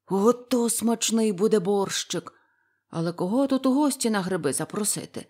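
A woman's voice: mid-range voice, expressive, measured pace, natural voice. Storybook figure: sly, jolly old male forest spirit with a folksy chuckle; a woman reads it. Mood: pleased.

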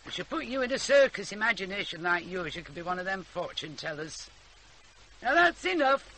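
An older actress playing an earthy, scolding country grandmother with a Northern English accent, brisk and dry-witted, in a radio drama. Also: mid-range voice, big pitch swings, fairly bright tone, a little hiss or hum, low-quality recording. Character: sharp-tongued, earthy old country grandmother. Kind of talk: naturalistic radio drama acting.

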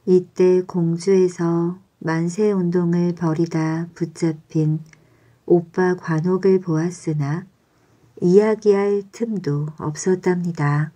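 A woman telling a bedtime story in a calm, measured, soothing way. Her voice is mellow and a little low, and she takes her time over every phrase.

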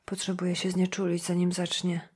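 A woman reading a weary older farm wife and guilt-ridden mother, speaking in a hushed, pleading, sad way. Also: mid-range voice, little pitch movement, fairly quick, slightly rough.

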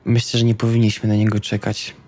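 A man's voice: on the low side, completely flat delivery, fast, dark tone. A man talking casually and politely, with some hesitation, as a player in a tabletop role-playing game. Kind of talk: casual in-character conversation.

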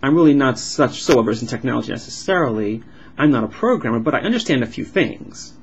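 Male interpreter voicing a vlog, mid-pitched, halting phrase-by-phrase delivery, muffled lo-fi audio. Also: animated. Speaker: sign language interpreter voicing a signed vlog. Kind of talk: live interpretation of an explanatory vlog. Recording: dull lo-fi sound with clear background noise.

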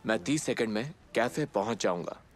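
A man voicing a secretive, scheming jewel thief in an animated comedy. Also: on the low side, moderate pace, music in the background, lightly acted. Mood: businesslike.

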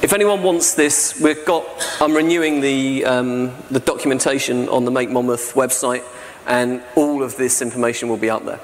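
A man's voice: mid-range voice, fairly even intonation, moderate pace. A man in his forties from South-East England, giving a conference talk in a chatty, self-deprecating way, often tagging on "right?". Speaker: conference speaker. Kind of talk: presentation talk. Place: large dark hall on a stage with projection screen. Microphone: stand mic at lectern. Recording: reverberant hall, faint noise.

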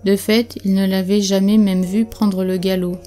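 Mellow, even-voiced woman narrator. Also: medium pitch, moderate pace. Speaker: audiobook narrator. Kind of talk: scripted audiobook narration. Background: faint music.

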